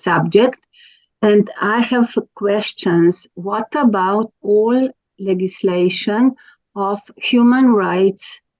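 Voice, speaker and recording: A woman with a Slovenian accent speaks very slowly at a medium pitch with ordinary pitch variation, the sound dry and close with no echo. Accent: Slovene. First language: Slovene. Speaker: activist. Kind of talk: video call discussion. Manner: halting.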